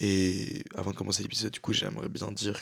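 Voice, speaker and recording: The speaker is a soft-spoken man. He talks at a moderate pace. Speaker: podcast host. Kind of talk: casual monologue.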